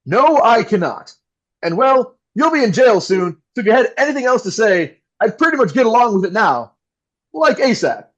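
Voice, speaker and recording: Man playing a high-pitched, animated radio broadcaster. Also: moderate pace, dull audio, heavily acted. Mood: wry, showy. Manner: theatrical announcer delivery, dry sarcasm. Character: polished, nervous male live radio broadcaster, wry and showy. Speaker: radio host character. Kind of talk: old-time radio play acting.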